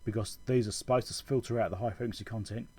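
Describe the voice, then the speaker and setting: Guy doing a casual tech walkthrough, kinda low mellow voice, thinks out loud. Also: steady tone, fast, husky. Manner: informal, explanatory, thinking aloud. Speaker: electronics repair video host. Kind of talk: casual technical tutorial over schematics.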